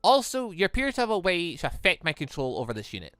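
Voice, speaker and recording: Casting: man playing sentient robot controller for visual novel, cold and formal, bright tone, dry close sound. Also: high voice, huge pitch swings, fast, smooth, dry recording, exaggerated voice. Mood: cold, detached. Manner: stiff, clipped, formal phrasing. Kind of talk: visual novel character read-aloud.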